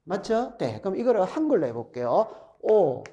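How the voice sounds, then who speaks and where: Middle-aged lecturer, Gyeongsang accent, lively up-and-down delivery, mellow tone, drills points by repeating them. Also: male voice, high-pitched, normal speed. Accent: Gyeongsang Korean. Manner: chatty, repeats key points, quizzes students. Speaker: exam-prep instructor. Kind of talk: recorded classroom lecture.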